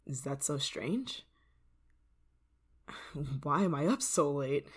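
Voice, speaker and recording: A woman voicing an obsessive, controlling neighbor in an ASMR roleplay, soft-spoken and slipping into whispers with a sweet, creeping menace. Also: sits low, gravelly, heavily acted.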